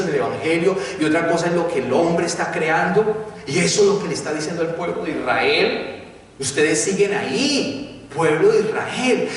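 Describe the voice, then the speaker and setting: A man's voice: high-pitched, fairly bright tone. A middle-aged man preaching a sermon with emphasis, often putting questions to the congregation. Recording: echoey hall, voice from far off.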